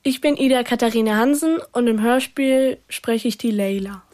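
A woman's voice: fairly high pitch, moderate pace, darkish tone. A teenage girl with a northern German accent, a radio drama voice actor, chatting cheerfully as a studio guest. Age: teens. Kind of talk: casual interview answers.

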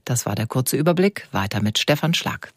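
A man reading a radio news bulletin in a measured, formal way. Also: mid-range voice, lively intonation, background noise. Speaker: newsreader.

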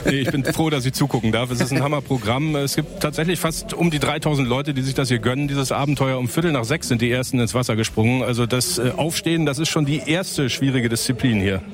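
A man's voice: medium pitch, fast, hardly any pauses. A man reporting live for radio from an outdoor race finish, talking conversationally with frequent fillers. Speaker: sports reporter. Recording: crowd noise behind.

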